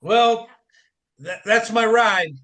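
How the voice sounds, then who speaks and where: A man's voice: high voice, slow pace, fairly bright tone. An actor playing a volatile, self-pitying jilted man in a comic radio play, agitated and stammering. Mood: apologetic. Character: volatile, desperate jilted man, ex-chorus performer turned hostage-taker.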